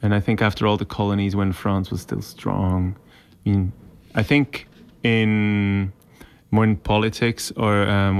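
A Swiss German-speaking man, a musician, answering interview questions in a halting, casual way with many restarts. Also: on the low side, smooth. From Switzerland. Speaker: musician guest.

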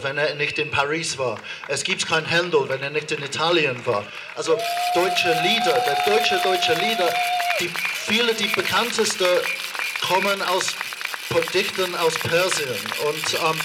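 A man's voice: a little high, background noise. A man with an English accent speaking German as a second language, addressing a street demonstration with hesitant phrasing and many fillers. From England. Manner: halting non-native German, frequent hesitations. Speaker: opera house director speaking at a rally. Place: outdoor demonstration on a square.

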